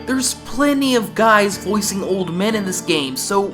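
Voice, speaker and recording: A woman's voice: medium pitch, animated, a little slow. A woman giving casual, sarcastic reaction commentary as a video game reviewer, often exclamatory. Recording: voice-over with faint game music.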